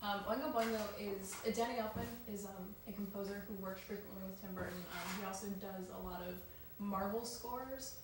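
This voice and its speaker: A woman's voice: mid-range voice, steady tone, fairly quick, noisy background. Chatty young woman, echoey far-off mic. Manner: chatty, with many ums and asides. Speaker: co-host. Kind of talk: casual chat.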